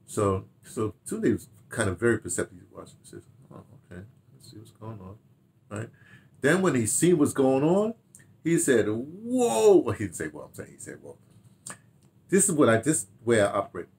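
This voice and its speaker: An older American man, an audio dramatist and theater director, reminisces about his memoirs to camera from a small home study. His medium-pitched voice moves at normal speed as he tells animated, rambling stories full of repeated phrases and asides.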